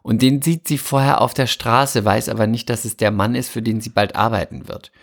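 A woman actress in casual chat, excitable and dramatic, quick to laugh. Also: rumbling low.

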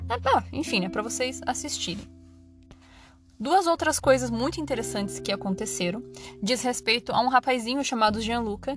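A woman with a Paraná Brazilian Portuguese accent hosting a podcast in a chatty monologue, laughing and exclaiming often. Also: medium pitch. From southern Brazil. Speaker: podcast host.

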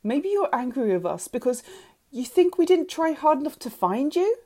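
A woman's voice: sits high, very animated, normal speed, dark tone, voice pushed up. A woman voicing an anguished, desperate mother with intense, emotional delivery in a dramatised audiobook. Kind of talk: dramatised audiobook character dialogue.

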